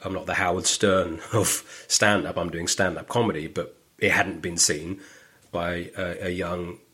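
A middle-aged stand-up comedian from northwest London, with a low, husky voice and a London accent, chats casually as a podcast guest. He tells stories in an animated, unhurried way, sometimes acting out the voices of the people he quotes.

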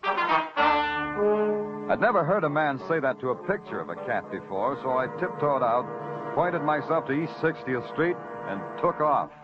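An actor playing a hard-boiled police detective who narrates in a terse, dry, wisecracking manner, in 1940s radio acting. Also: male voice, a little high, huge pitch swings, unhurried, exaggerated voice. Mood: wry narration. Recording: dull lo-fi old radio recording with music.

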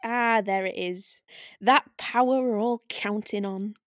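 A woman playing a taunting disembodied spirit in an audio drama table read, with a drawn-out, needling delivery. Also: mid-range voice, fairly even intonation, fairly bright tone, dry recording, studio quality. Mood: coolly persuasive. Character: taunting disembodied arcane spirit, silky and provoking.

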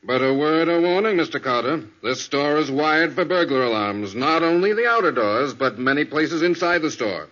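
A man's voice: fairly high pitch, animated, normal speed, few pauses, fairly bright tone. An actor playing a courteous, careful male store owner in a 1940s radio drama, formal and precise. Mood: polite, cautioning. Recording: dull vintage 1940s radio recording.

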